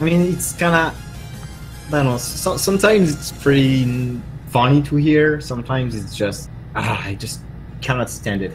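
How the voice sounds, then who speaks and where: Over noticeable background noise and audible room echo, a man with a slight French accent talks at a moderate pace. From France. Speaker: YouTube content creator. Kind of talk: casual interview chat. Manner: halting, many fillers.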